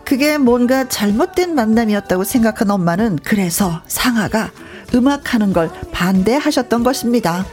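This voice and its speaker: A woman's voice: fairly high pitch, expressive, darkish tone, faint music behind. Woman narrating a story. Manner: measured storytelling. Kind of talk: scripted narration.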